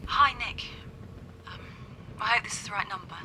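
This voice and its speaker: An actress playing a hesitant caller, heard over a landline phone leaving a message with pauses and fillers. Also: female voice, mid-range voice, heavy background noise. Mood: tentative. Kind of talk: TV drama acting.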